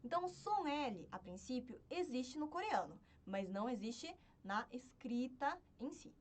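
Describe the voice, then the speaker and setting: Lively woman teaching a lesson. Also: high-pitched, unhurried. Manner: explains step by step, often checking in with the class. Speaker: language teacher. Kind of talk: online language lesson.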